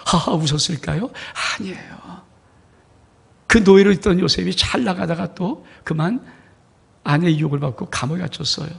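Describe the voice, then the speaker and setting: Male pastor preaching, raspy gravelly voice, keeps firing questions at the congregation. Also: fairly high pitch. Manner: emphatic preaching with rhetorical questions and acted quotes. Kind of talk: sermon.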